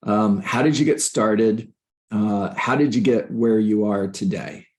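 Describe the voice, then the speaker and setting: A man's voice: on the low side, unhurried, darkish tone. A man hosting an interview show, introducing and questioning a guest in a conversational style. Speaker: interview show host, coach.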